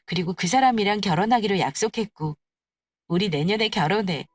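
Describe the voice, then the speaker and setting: A woman playing a patient, polite, quietly confident young bride-to-be in an audio story, with composed and gentle phrasing. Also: mid-range voice, brisk, no echo, close to an everyday voice. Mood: pleased. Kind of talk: acted dialogue in an audio story.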